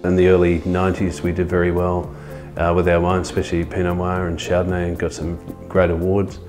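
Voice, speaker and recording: A middle-aged man talking in a filmed interview as a winemaker, halting with many fillers, recorded in a tasting room. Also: low-pitched, monotone, darkish tone. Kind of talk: documentary interview. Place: indoor winery tasting room. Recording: music bed underneath.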